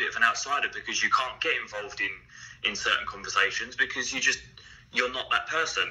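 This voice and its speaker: A man speaks with an English accent. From England, Essex. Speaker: former professional footballer. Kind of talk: interview. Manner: halting, repeats words.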